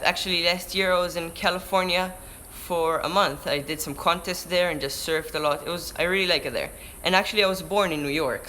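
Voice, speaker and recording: The speaker is a teenage surfer vlogger from Israel whose Hebrew-accented voice is a little high, pushed and bright. He chats on a live stream, reading out and answering viewer questions while restarting words mid-sentence. It's a low-quality recording with slight background noise, taken indoors by a window through a camera-mounted shotgun mic.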